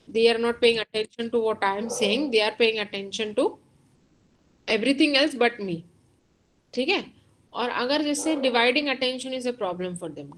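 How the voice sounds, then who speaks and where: A woman with an Indian accent lectures at an unhurried, deliberate pace, her voice sitting somewhat high. She explains each point patiently and moves freely between Hindi and English as she teaches. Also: a little hiss or hum, poor audio. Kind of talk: online lecture.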